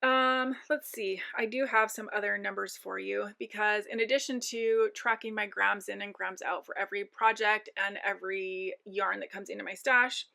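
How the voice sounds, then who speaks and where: A woman's voice: mid-range voice, vocal fry, bright, forceful tone. A woman vlogger chatting casually to camera about her yarn, reading off numbers with fillers, saying she is losing her voice. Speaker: knitting vlogger.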